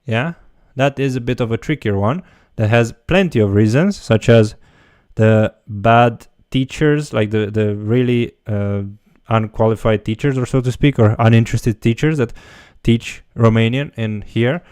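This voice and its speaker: A man's voice: mid-range voice, unhurried, darkish tone, smooth, dry recording, studio quality. A man teaching a language, answering viewer questions in a casual livestream and thinking aloud as he goes. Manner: loose, talks while thinking aloud.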